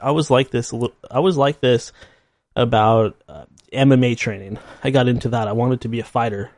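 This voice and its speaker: A man in his thirties talking alone on his podcast, wandering from thought to thought with a self-mocking laugh. His voice sits at an ordinary middle pitch, recorded close and dry with no room sound around him. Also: brisk, darkish tone, no echo. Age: 30s. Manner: rambling, self-deprecating, laughs at himself. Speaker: podcast host. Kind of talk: casual solo monologue.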